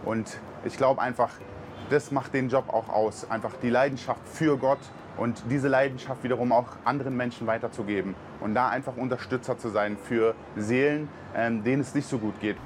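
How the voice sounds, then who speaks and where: A man's voice: mid-range voice, fairly even intonation, moderate pace, noisy background. A man from Berlin, a truck driver on a mission team, gives an earnest, heartfelt personal testimony with many fillers. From Berlin, Germany. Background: music.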